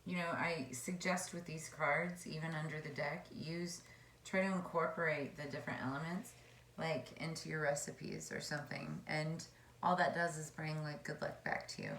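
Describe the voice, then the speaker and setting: A woman with a low, slightly hoarse voice reads tarot cards in a relaxed, wandering way, thinking aloud between cards. Her voice bounces around an echoey room with a faint hum behind it. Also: normal speed. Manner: chatty and meandering, musing aloud. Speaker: tarot reader. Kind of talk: casual tarot card reading.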